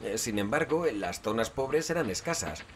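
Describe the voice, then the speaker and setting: An actor playing a down-to-earth, observant investigator in a horror audio drama, plain-spoken and a little hesitant. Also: male voice, medium pitch, expressive, normal speed, slight background noise, natural voice. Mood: wary, curious.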